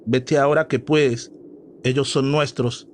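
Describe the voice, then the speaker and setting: A cruel, horrible river witch from a horror storybook speaks in a slow, chilling drawl, as a male narrator puts her on. Her threats come out deliberate and cold. Every word sounds spiteful. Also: medium pitch, steady tone, a little hiss or hum, close to an everyday voice. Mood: menacing.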